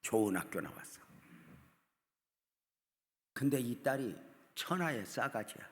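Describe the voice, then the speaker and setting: A man, an older retired pastor, tells stories in an early-morning revival sermon. His voice drops to a hush and then rises loud, and he acts out the people he quotes. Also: medium pitch, big pitch swings, a little slow. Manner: storytelling preacher, swings from hushed to loud, acts out quotes. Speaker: guest revival preacher. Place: church sanctuary. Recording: church sanctuary with long reverb.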